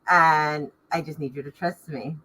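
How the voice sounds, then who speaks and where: Casting: woman, low pitch with a bright edge, informal and emphatic interview guest. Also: steady tone, moderate pace, poor audio. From Los Angeles area, United States. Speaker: fashion designer and stylist, interview guest. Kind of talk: casual interview chat.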